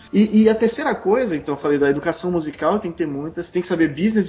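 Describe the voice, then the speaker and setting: Speaking very fast, a man uses a high pitch with ordinary pitch variation. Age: 30s. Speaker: video game music composer. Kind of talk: casual interview.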